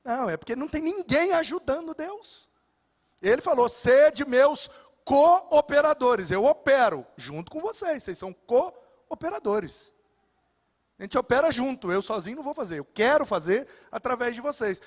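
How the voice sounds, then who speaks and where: A man's voice: extremely high pitch, big pitch swings, moderate pace, in a large hall. A male pastor preaching a sermon, telling stories with humor and acting out the dialogue. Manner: storytelling, acts out dialogue with humor. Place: church sanctuary.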